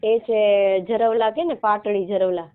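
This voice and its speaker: A woman in her thirties from Gujarat with a Gujarati accent, explaining haltingly and repetitively as a caller seeking help. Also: mid-range voice, steady tone, clear, resonant tone. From Gujarat, India. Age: 30s. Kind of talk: casual phone conversation. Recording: narrow, muffled phone-call line.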